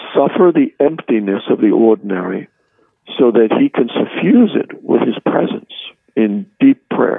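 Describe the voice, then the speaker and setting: At a fairly slow pace, a man with an American accent holds his loudness very even. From New York. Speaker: deacon and theologian. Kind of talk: phone interview. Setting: phone call.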